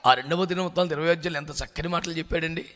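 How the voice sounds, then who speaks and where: Male pastor, lively sermon delivery full of rhetorical questions, voice on the higher side. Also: very fast, crowd noise. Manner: animated preaching with rhetorical questions and anecdotes; mixes English words into the sermon.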